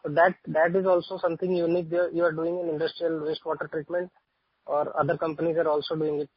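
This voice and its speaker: A man's voice: fairly high pitch, little pitch movement, fast, slightly rough, no echo. A man asking questions as an investor on an earnings call. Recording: dull, dry phone conference line.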